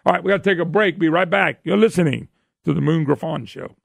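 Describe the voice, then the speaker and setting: A man's voice: fairly high pitch, quick pace, vocal fry, no room sound. A man hosting a political call-in radio show, folksy and emphatic, firing off rhetorical questions. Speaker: radio talk show host. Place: radio studio.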